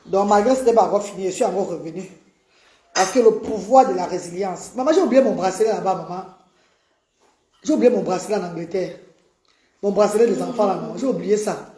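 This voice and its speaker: A woman's voice: mid-range voice, brisk, pauses often, warm tone, reverberant, slight background noise. A woman, an autism advocate talking on a live stream, effusively greeting viewers and pleading for shares.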